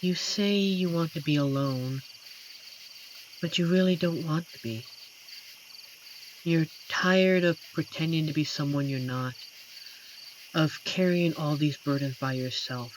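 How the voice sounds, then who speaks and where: A performer voicing an amiable, shy werewolf forest protector in a roleplay audio drama, speaking gently and hesitantly with earnest pauses. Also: mid-range voice, close to an everyday voice. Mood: tender. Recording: noisy track with night cricket ambience. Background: crickets and night forest insect ambience.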